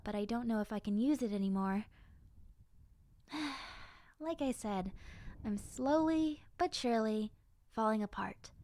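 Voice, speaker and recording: A woman playing a gentle, chatty young zombie girl in a roleplay audio drama, musing conversationally to the listener. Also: medium pitch, a little hiss or hum, lightly acted. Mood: mildly puzzled. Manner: soft-hearted, conversational, musing.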